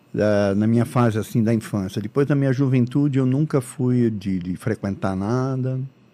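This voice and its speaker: A man with a dark, mellow tone speaks at medium pitch and a moderate pace. His pitch varies in an ordinary way, and he hardly pauses. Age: 60s. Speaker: spiritist lecturer. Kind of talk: interview testimony.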